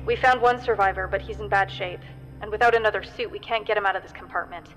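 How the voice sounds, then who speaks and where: A woman playing a steady, caring space crew leader in a sci-fi audio drama. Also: mid-range voice, quick pace, big-room sound, close to an everyday voice, poor audio. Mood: businesslike.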